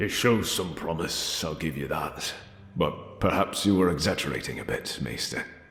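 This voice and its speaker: Against clear background noise and a slight echo, a man does a put-on character voice with a very deep, low pitch at a moderate pace. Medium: audio drama.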